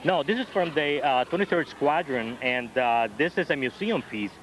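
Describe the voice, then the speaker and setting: A man's voice: fairly high pitch, lively intonation, moderate pace, a bit bright, rough recording. A man from Puerto Rico with a Spanish accent, answering politely as a competitor being interviewed outdoors. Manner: polite, deferential. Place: outdoors at a flying field. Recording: faint outdoor field noise.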